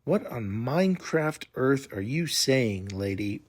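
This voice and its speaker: A man's voice: medium pitch, animated, slow. Man playing a male adventurer, teasing, skeptical, incredulous, kids' adventure storytelling. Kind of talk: children's adventure bedtime story.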